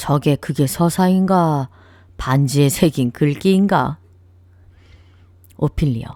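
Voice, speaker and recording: Calm and soothing, a woman talks at a very slow pace in a dark, mellow tone with lively intonation, and the sound is dry and close with no echo. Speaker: audiobook narrator. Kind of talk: sleep audiobook reading of a play. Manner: calm, soothing.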